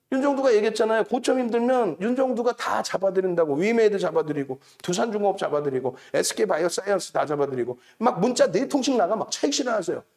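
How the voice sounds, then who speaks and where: High lively-voiced man lecturing on stock charts. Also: creaky. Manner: emphatic, repeats key numbers, mocks rivals as liars. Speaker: stock market show host.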